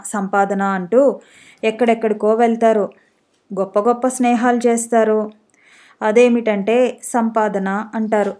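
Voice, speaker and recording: A woman's voice: medium pitch, darkish tone, lightly acted. A woman reading the part of a hurt young wife who feels neglected, reproachful and pleading in a storybook reading. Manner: tearful, reproachful.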